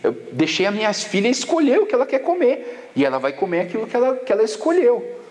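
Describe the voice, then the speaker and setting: A male pastor voicing a surprised American mother, her questions rising high. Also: big pitch swings, fast, darkish tone. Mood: puzzled. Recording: long hall reverb.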